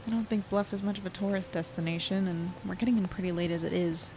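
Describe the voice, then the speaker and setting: A woman's voice: lowish voice, fairly even intonation, fast talker, background noise, natural voice. A woman in her twenties playing an earnest young reporter in an audio drama, conversational and hesitant as she thinks aloud. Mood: musing, wry. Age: 20s. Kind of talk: audio drama, naturalistic monologue and dialogue.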